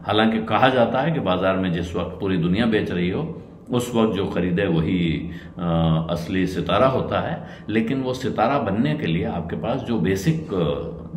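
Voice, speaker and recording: A middle-aged man, a senior journalist, giving measured market commentary to camera from a room at home. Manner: measured explanatory delivery, dropping low at cautions. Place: indoor room with curtains. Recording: roomy echo, faint noise.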